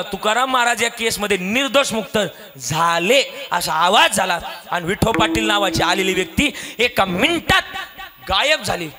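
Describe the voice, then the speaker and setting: A man preaching a kirtan with a Marathi accent, telling a devotional story dramatically, acting out the characters and breaking into sung verses. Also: high-pitched. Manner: dramatic, acts out voices of characters, breaks into song.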